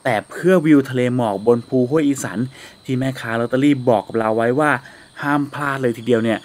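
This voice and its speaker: A young man calmly narrating a scripted travel vlog as the host. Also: medium pitch, quick pace. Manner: calm, descriptive storytelling.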